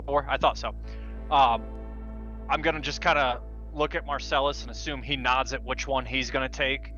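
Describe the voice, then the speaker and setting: Male tabletop player, casual, bright forceful tone, slightly muffled recording with music underneath. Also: mid-range voice, fairly even intonation, normal speed. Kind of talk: casual tabletop role-play chat. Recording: slightly dull audio with music behind.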